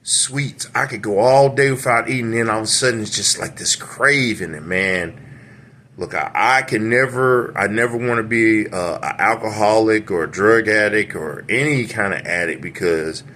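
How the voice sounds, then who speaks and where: A man's voice: normal speed, pushed and bright, a little hiss or hum. A middle-aged man vlogging from home to a camera he set up, talkative and rambling with lots of fillers and restarts. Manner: drops into a deep put-on radio voice. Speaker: vlogger reviewing a product. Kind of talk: rambling casual vlog. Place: home room. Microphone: camera set up nearby.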